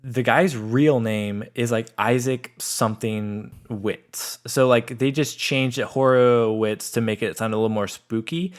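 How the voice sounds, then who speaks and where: A man's voice: mid-range voice, steady tone, measured pace, hardly any pauses. A man co-hosting a podcast in casual chat, talkative and full of filler words. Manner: chatty, heavy filler words. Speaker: podcast co-host.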